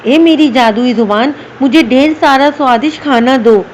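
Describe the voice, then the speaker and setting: Woman doing an earnest brave young magic girl, high voice, storybook. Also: normal speed, a little hiss or hum, natural voice. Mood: hopeful.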